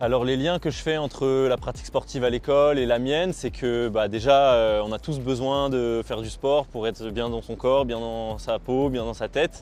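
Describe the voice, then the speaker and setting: A man talks at a moderate pace with hardly any pauses. His pitch is medium and his intonation fairly even. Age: 20s. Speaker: athlete. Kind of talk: interview. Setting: outdoors. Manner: hesitant with frequent fillers.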